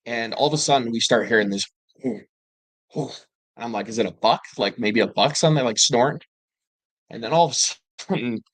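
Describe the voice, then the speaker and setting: A man telling his own eerie wilderness encounters in a casual, rambling way, with fillers and restarts and excited bursts when he quotes himself. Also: on the low side, no room sound, rough recording. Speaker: panel guest telling paranormal encounters. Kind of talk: casual storytelling.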